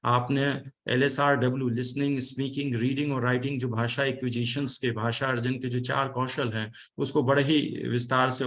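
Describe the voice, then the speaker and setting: A man from India speaking on a video call at a formal online seminar, explaining and thanking guests with frequent pauses and restarts. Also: mid-range voice, a bit bright. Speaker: speaker giving vote of thanks.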